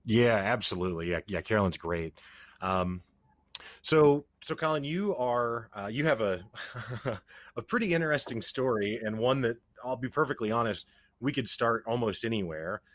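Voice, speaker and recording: A man's voice: medium pitch, animated, normal speed, fairly bright tone, no echo. A man hosting a podcast interview, who asks his questions in a friendly but hesitant way with many fillers and restarts. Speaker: podcast host.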